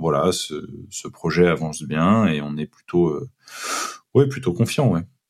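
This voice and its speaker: Very slow and very deep, a man's low voice moves with lively intonation. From Paris, France. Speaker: professional freediver. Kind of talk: interview. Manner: hesitant, frequent fillers.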